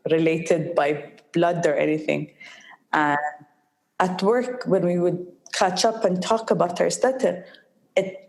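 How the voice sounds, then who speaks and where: A young woman from the United Arab Emirates, a guest in an interview, speaking slowly and with a mild stutter and pauses. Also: lowish voice, darkish tone, poor audio. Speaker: guest, social entrepreneur. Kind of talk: interview conversation.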